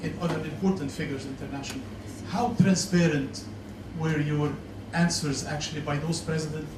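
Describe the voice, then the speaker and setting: A man's voice: a little high, fairly even intonation, normal speed. A man from Lebanon asking a long, earnest question from the audience of a workshop. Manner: long-winded, earnest, searching for words. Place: lecture hall. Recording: echoey hall, distant mic, noticeable noise.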